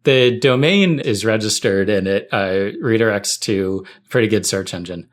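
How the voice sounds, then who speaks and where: A man's voice: on the low side, normal speed. A man telling anecdotes casually as a guest on a podcast. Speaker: podcast guest, tech writer.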